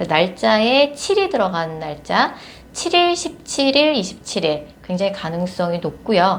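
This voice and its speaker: A woman at a medium pitch, fairly slow in pace, with very wide pitch swings. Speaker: tarot reader. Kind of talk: general tarot reading. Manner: many fillers and hesitations.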